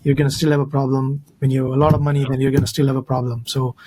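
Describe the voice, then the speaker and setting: A man's voice: medium pitch, flat delivery, racing, mellow, breathy edge. A man, earnestly telling his story as an interview guest. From India. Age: 30s. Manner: earnest, storytelling, often ends with "right?". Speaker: guest, financial advisor. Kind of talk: casual interview talk.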